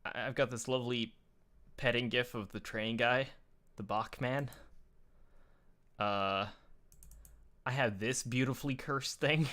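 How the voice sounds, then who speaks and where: A bright, clear-toned man chats on a live stream. He rambles and restarts, scattering uhs as he talks through pictures, casual and loose. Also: medium pitch, unhurried, long pauses. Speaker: show host sharing his picture folder.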